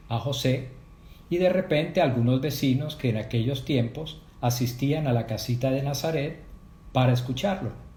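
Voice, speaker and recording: A man leading a prayer group, giving a measured, explanatory talk on faith and addressing his listeners directly. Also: medium pitch, a little mellow, echoey room, slight background noise. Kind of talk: catechetical talk.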